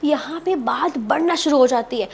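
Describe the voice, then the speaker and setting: A woman's voice: high-pitched, moderate pace, slight background noise. A woman casually recapping a reality show, chatty and repetitive, often addressing listeners as "bhai" and mixing English words into her talk. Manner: mixes English words into Hindi.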